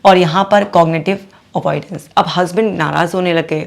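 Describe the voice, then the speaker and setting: Low, gravelly-voiced woman psychologist. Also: fairly even intonation, moderate pace. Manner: explains with quoted inner thoughts and repetition. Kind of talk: explaining a case in a video lesson.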